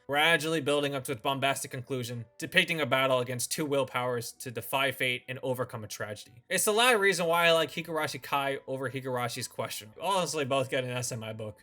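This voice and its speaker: A man's voice: on the high side, pushed and bright. A man hosting a review in semi-scripted commentary, opinionated and given to informal asides. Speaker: host of a visual novel review channel.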